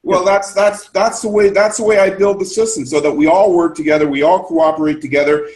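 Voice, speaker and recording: A man's voice: sits high, brisk, a little mellow. A man explaining a business system on a group call, enthusiastic and repetitive, restarting his sentences often.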